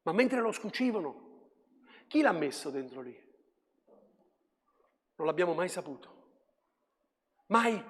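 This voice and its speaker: A male pastor delivering a fervent sermon, dropping to a hush and then rising to shouts. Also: high-pitched, big pitch swings, slow, pauses often. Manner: fervent preaching that swings between hushed and shouted. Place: church hall. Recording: long hall reverb.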